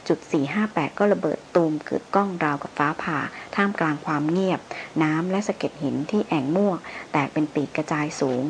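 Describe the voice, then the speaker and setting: Low-voiced female audiobook narrator, steady and dramatic. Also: fairly quick, slight background noise, poor audio.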